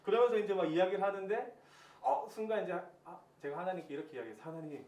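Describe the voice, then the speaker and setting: A pastor in his thirties giving a sermon as lively storytelling, acting out his own prayers. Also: high voice, quick pace. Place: church hall. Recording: echoey church hall, distant mic, faint hiss.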